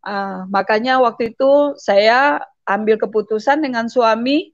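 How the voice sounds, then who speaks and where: Woman, high-pitched, emotional testimony, halting and repetitive, dry muffled recording. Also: no echo. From Indonesia. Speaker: testimony speaker. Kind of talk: personal testimony.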